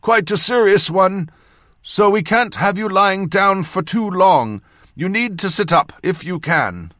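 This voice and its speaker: Man voicing a loud old ship's surgeon, pitched up. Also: very animated, no room sound, clean studio sound, exaggerated voice. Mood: loud, reassuring. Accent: northern. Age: older. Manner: loud, reassuring, brisk bedside talk. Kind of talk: audiobook character voice.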